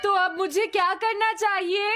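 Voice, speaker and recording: A woman's voice: extremely high pitch, steady tone, normal speed. A woman voicing a timid, easily panicked young schoolboy in a Hindi cartoon dub, with a plaintive whine. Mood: worried. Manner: plaintive, whining. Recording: loud music under the voice.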